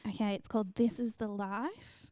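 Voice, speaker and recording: A woman's voice: mid-range voice, steady tone, moderate pace, mellow, no room sound. A woman co-hosting a podcast, telling anecdotes in casual chat and laughing often. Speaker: podcast co-host.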